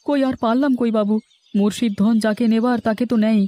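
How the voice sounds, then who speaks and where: A man's voice: very high-pitched, steady tone, a little fast, dark tone, dry recording. A man playing a humble, earnest village fisherman in a cartoon story, speaking deferentially. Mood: earnest, sorrowful. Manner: deferential, explanatory. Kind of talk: animated cartoon story acting. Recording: music bed under the voice.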